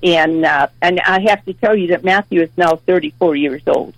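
A woman's voice: fairly low pitch, no echo, rough recording. A ninety-year-old woman calls in to a radio show. Her talk halts and circles back over the same words. The line is dry and close, with no room around her. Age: 90s. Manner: halting, repeats words, chuckles often. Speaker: caller. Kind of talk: phone-in chat.

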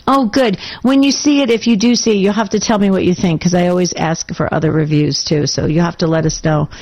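A woman's voice: on the low side, fairly even intonation, fairly quick, darkish tone. A woman hosting a call-in radio show in a casual, enthusiastic and affirming way, her voice slightly scratchy.

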